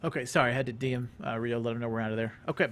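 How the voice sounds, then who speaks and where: A man's voice: mid-range voice, steady tone, racing, fairly bright tone. A man hosting an esports stream, reading results and chatting in a rambling, joking way with many restarts. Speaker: esports caster. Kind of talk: casual esports commentary.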